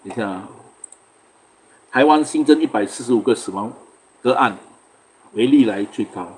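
A man's voice: mid-range voice, expressive, moderate pace, slightly rough. A man from Singapore hosting a casual livestream, chatting loosely, greeting viewers by name and laughing often. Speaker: livestream host.

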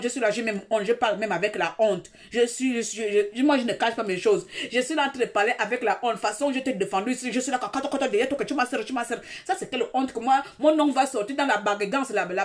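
A woman talking on a live stream, dramatic and repetitive, swinging between loud outbursts and quiet asides. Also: mid-range voice. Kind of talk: animated live-stream monologue.

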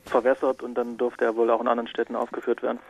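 Hesitant Saxon caller on a phone line. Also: male voice, medium pitch, completely flat delivery. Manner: unhurried, hesitant, with filler sounds. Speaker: radio caller.

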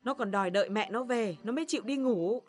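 A woman's voice: a little high, quick pace, close to an everyday voice. An actress playing a worried older grandmother who frets and pleads in a television drama. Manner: fretful and pleading. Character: worried grandmother, anxious and tearful. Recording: television drama with clear background noise.

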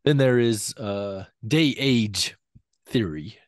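A young scholar with a lingering cough talks from his home study over a video call, using a desk mic. His voice is on the low side and expressive as he explains his views in measured steps with frequent ums, and the recording is dry and studio quality.

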